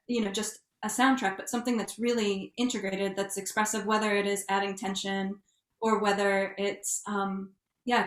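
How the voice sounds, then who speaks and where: A woman with a mid-range voice talks as a panelist in a roomy, echoing recording. She is reflective and earnest, letting her clauses trail on as she works through her thoughts. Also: mid-range voice.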